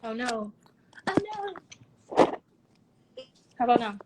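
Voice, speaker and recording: A woman's voice: a little high, very animated, slow, darkish tone, a little hiss or hum, rough recording. A blunt, emphatic woman talking casually on a video call while the connection breaks up. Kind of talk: casual chat.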